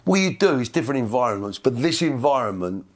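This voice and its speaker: A man's voice: medium pitch, very animated, fast. A middle-aged man, telling a long story in casual conversation, rambling and repeating words as he goes. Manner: rambling, repeats words, acts out voices in quotes. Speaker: guest.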